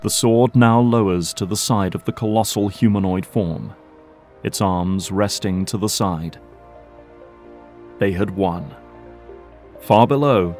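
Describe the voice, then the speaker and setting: A man narrates an action audio drama in a fairly low voice. The delivery is scripted and dramatic, with prominent music behind him. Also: a little mellow.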